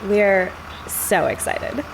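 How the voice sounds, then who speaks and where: A woman's voice: mid-range voice, extremely slow, vocal fry, noisy background. An actress playing a breezy, gushing young tourist obsessed with social media in an audio drama, stretching out her words. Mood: excited, dismissive.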